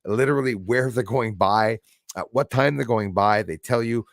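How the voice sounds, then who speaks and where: A man's voice: on the low side, normal speed, dry recording, clean studio sound. A man from Quebec with a Quebec English accent, hosting a casual livestream and rambling through chat with lots of fillers. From Quebec, Canada. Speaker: livestream host reading chat.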